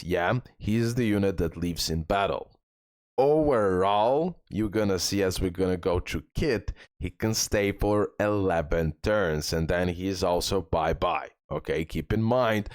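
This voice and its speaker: A man with a low voice presents a gaming guide in a close, dry recording. He reads ability text aloud and breaks it down informally, speaking straight to his viewers and repeating key points for emphasis. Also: unhurried, dry recording. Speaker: gaming content creator and host. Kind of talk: game guide commentary, reading skill descriptions and giving tips.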